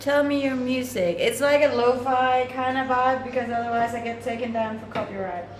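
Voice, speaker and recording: A Danish woman from Denmark, speaking with a Danish accent, chats casually with livestream viewers while cooking in her home kitchen, reading chat aloud and laughing often. Her fairly high voice keeps a fairly even intonation at normal speed. The sound is roomy, with a noisy background.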